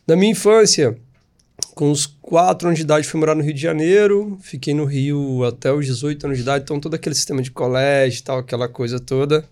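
A man's voice: fairly high pitch, quick pace. A man in his thirties from Espírito Santo with a Brazilian Portuguese accent, a podcast guest talking casually and animatedly about his life. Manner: animated, chatty, frequent tag questions. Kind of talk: casual storytelling interview.

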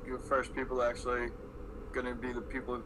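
A man's voice: mid-range voice, monotone, fairly quick. A man talking casually as a podcast guest, informal and blunt. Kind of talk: casual chat. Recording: noisy recording.

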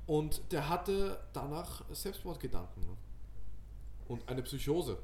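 A man's voice: fairly high pitch, very animated, slow, a little mellow, slight background noise. A young man co-hosting a podcast, joking around in casual slangy banter. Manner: joking, slangy, says "Bro". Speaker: podcast co-host. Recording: roomy echo.

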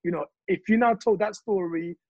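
A man from Congo talking passionately in casual chat, telling his views with animated stories. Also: high-pitched, moderate pace, husky, no echo, dull audio.

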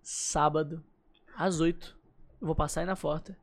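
A man's voice: fairly high pitch, steady tone, moderate pace. A young man talking as a guest on a podcast, speaking into a studio mic. He jokes constantly and slips into acted-out scenes. The tone stays loose and playful. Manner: joking, playful, acts out scenes in put-on voices. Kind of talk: casual podcast chat.

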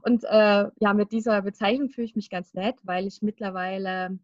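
A woman in her thirties whose first language is German guests on a casual podcast interview, chatting with frequent laughs and fillers. A singer and children's author, she has a medium pitch, fairly even intonation and a moderate pace. The audio is lo-fi with no echo.

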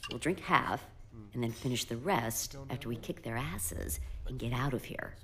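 A woman's voice: a bass voice, expressive, moderate pace. A woman playing a tough, wry and loyal privateer in a science fiction audio drama, with dry, teasing delivery. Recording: music under the voice.

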